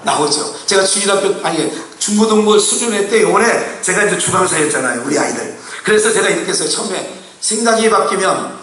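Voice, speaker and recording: High bright-voiced preacher in an echoing hall. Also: male voice, a little fast. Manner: preaching with constant rhetorical questions to the congregation; colloquial and animated, with laughs and bursts of shouting. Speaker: pastor. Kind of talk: sermon. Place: church sanctuary. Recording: echoey hall, mic far from speaker.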